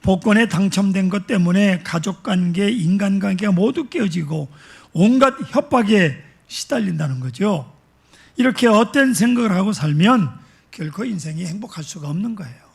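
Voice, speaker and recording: A male pastor delivering a slow, emphatic sermon to his congregation, asking rhetorical questions. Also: high-pitched, lively intonation, creaky, slightly rough.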